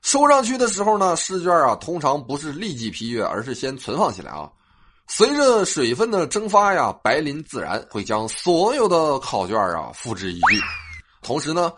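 A young man, hosting a comic storytelling monologue with a sing-song delivery and drawn-out particles. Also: medium pitch, fairly bright tone. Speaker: host.

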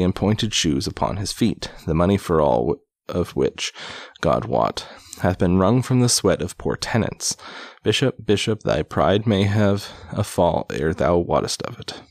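Man acting a saucy medieval outlaw, storybook style, boastful, deep creaky voice, archaic phrasing. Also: a little mellow, no room sound, studio quality, exaggerated voice. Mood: sour, scornful. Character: bold, boastful outlaw posing as travelling harper.

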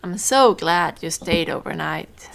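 A woman playing a warm, motherly family friend in an audio drama, speaking gently, fondly and without hurry. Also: lowish voice, expressive, unhurried, vocal fry, heavily acted, low-quality recording. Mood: fond, fussing.

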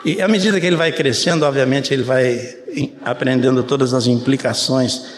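A man's voice: mid-range voice, fairly even intonation, fairly quick, a little hiss or hum. An older man from Brazil with a Brazilian Portuguese accent, giving a conversational sermon and often checking in with his listeners. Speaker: preacher. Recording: reverberant hall, faint room ambience.

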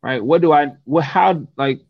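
A man's voice: on the high side, normal speed, no room sound. Emphatic man, muffled dry sound. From San Francisco. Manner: emphatic, rhetorical, repeats "right?". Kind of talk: casual conversation.

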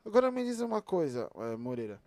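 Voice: mid-range voice, big pitch swings, fairly quick, a little mellow, no room sound. Chatty podcast host, dry sound. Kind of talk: casual interview questions.

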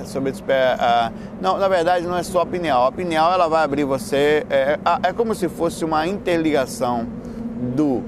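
Bahian man chatting casually, noisy background. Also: on the high side. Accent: Bahian Brazilian Portuguese. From Bahia, Brazil. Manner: colloquial, slangy, playful, with repeated false starts and self-interruptions. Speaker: speaker answering audience questions on spirituality and lifestyle. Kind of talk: casual rambling chat.

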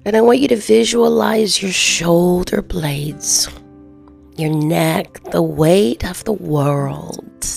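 Female meditation guide, very slow and soothing, soft half-whispered delivery, lowish creaky voice, faint music underneath. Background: soft background music.

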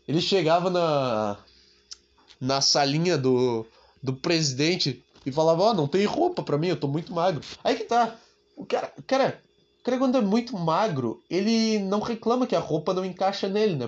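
A man with a high-pitched voice runs a rambling solo podcast monologue, sarcastic and casually profane. He is recorded at home on a dull, lo-fi mic. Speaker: podcast host. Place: room at home.

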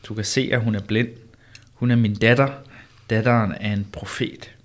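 A man reading the part of the old prophet Elijah in a measured, insistent way, during an amateur read-through. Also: on the low side, steady tone, close to an everyday voice. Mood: solemn. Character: old male prophet Elijah, calm and solemn.

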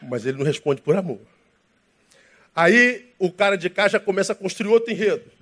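A man's voice: high-pitched, animated, a little fast, fairly bright tone. A man preaching a sermon, telling an anecdote and acting out both sides of the dialogue in his own voice. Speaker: pastor.

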